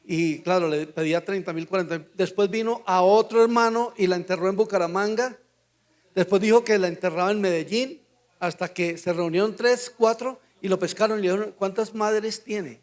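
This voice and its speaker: An older man with a Colombian Spanish accent, a pastor teaching a Bible study through lively anecdotes with acted-out dialogue. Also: high voice, fairly quick. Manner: storytelling, acts out dialogue in quotes.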